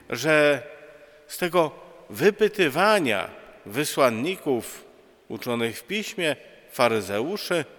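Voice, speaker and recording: Slow, lively-pitched preacher man in a reverberant church. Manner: conversational storytelling with pauses and fillers. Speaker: priest or friar preaching. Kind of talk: sermon.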